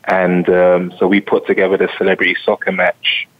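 A middle-aged man with a London accent, a retired soccer player, answering interview questions in a measured way with many pauses. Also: low-pitched, monotone, narrow, tinny audio. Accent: London English. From England.

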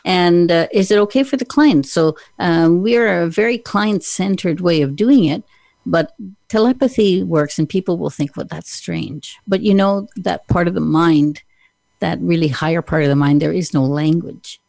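A woman's voice: fairly low pitch, moderate pace, gravelly, a little mellow, no room sound. A middle-aged woman with a Canadian accent, hosting a casual interview in a chatty, teasing way and laughing often. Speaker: podcast host.

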